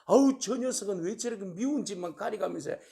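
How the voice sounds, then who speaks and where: Grumbling jealous older brothers, as a pastor does them. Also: male voice, high-pitched, expressive, fast, vocal fry, mellow. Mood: annoyed. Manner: irritated, grumbling. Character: resentful older brothers grumbling about their tattling sibling.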